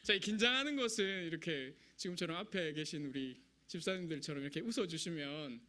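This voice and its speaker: Young male preacher, regional Korean accent, high, bright voice, nervous humor. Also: lively intonation, brisk. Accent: Korean regional dialect. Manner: self-deprecating, conversational, nervous humor. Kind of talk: sermon. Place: church sanctuary.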